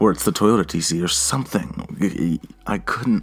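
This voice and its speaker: A man's voice with vocal fry and lively intonation at a moderate pace. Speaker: car enthusiast YouTuber. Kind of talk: casual vlog commentary. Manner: halting, many fillers and restarts.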